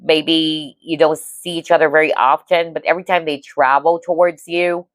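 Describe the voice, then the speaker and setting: Woman, tarot reader, low voice, dry close sound, chatty and reassuring. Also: flat delivery, moderate pace, no room sound. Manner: chatty, reassuring, frequent "okay?" check-ins. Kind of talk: casual tarot reading monologue.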